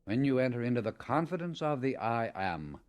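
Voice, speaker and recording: Male audiobook narrator, medium pitch, scripted spiritual reading, measured and emphatic, instructive. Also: big pitch swings, darkish tone, dull audio.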